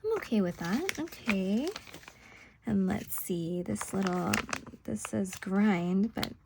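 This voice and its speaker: Set against a noisy background, a woman with a creaky, expressive, medium-pitched voice speaks slowly while hosting a craft video. She chats casually about her work in plan-with-me fashion, fading into murmurs as she concentrates.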